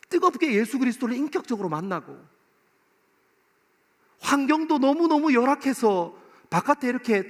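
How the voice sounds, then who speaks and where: A male pastor delivers an impassioned sermon in a high voice that swings widely in pitch. He speaks straight to the congregation, often in rhetorical questions. The hall around him adds long reverb. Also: a bit bright. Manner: impassioned, addresses listeners directly with rhetorical questions. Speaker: pastor preaching to a young adult congregation. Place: church worship hall, live service.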